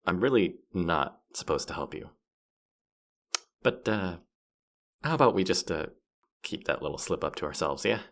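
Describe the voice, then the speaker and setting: A man's voice: sits low, lively intonation, normal speed, long pauses, fairly bright tone, exaggerated voice. A man playing a playful, boastful demon guide to the afterlife in a roleplay audio drama, with a smug, teasing, theatrical delivery. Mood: alarmed, sheepish.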